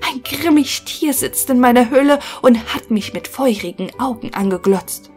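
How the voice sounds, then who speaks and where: A woman's voice: a little high, lively intonation, normal speed, soft background music, pitched above the performer's own voice, natural voice. A woman voicing a frightened male fox in a fairy tale audiobook, startled and fretful.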